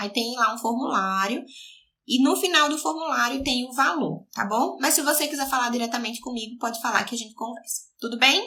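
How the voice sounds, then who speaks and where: A woman with a Bahian accent talks at a fairly quick pace and a high pitch, in a bright, sharp tone with ordinary pitch variation. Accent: Bahian Brazilian Portuguese. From Bahia, Brazil. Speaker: educational psychologist and mentor. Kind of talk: live stream chat answering viewer questions. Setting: live stream. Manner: talkative.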